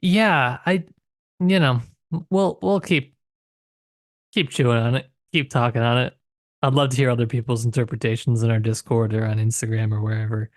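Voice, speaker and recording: A man's voice: mid-range voice, normal speed, no echo, studio quality. A man co-hosting a podcast in casual book discussion, tentative, often circling back to rephrase as he thinks aloud. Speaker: podcast co-host.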